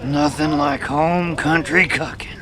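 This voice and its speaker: A man's voice: fairly high pitch, steady tone, takes it slowly, noisy background. A man playing a folksy, word-muddling country man who is secretly a beast, in an audio drama with a Southern American accent. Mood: slyly menacing. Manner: folksy, drawling, muddles words. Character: folksy rural Louisiana man, secretly a man-eating werewolf.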